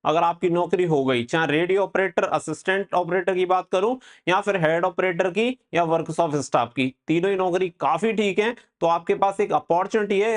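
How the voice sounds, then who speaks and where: A man giving an informal, advisory exam update as a coaching host, mixing in English words. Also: high voice.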